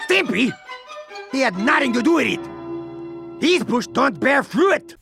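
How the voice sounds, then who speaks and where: A cartoonish character voice at a fairly high pitch comes through with faint music in the background. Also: moderate pace. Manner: shrill, explosive shouting.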